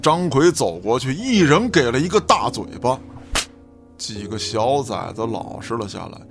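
A man's voice: mid-range voice, very animated, normal speed, vocal fry. A man narrating a scripted audio drama as a storyteller, in a dramatic reading style. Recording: background music under the voice.

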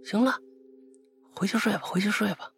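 A storyteller voicing a middle-aged aunt who shouts stern demands at night, then turns soft and apologetic. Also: medium pitch, slow, voice pushed up, heavily acted.

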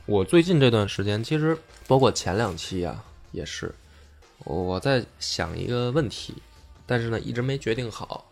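A man hosting a casual history podcast, explaining deliberately and often rephrasing himself. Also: medium pitch, expressive, vocal fry, faint music behind. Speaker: podcast host.

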